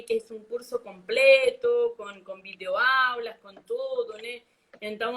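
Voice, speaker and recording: A woman's voice: a little high, a bit bright, rough recording. A woman from Buenos Aires with a strong Argentine accent, a Spanish teacher chatting in a live stream, mixing Spanish into her Portuguese with lots of fillers and laughter. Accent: Argentine, speaking Portuguese mixed with Spanish. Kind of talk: casual live chat.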